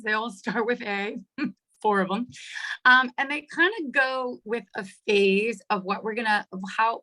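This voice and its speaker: A middle-aged woman with a hoarse voice leading an online coaching workshop on a video call, chatty and checking in with her listeners often. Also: on the high side, bright, forceful tone, rough recording. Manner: chatty, checks in with "right?" and "okay?". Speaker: workshop leader. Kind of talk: live online coaching talk.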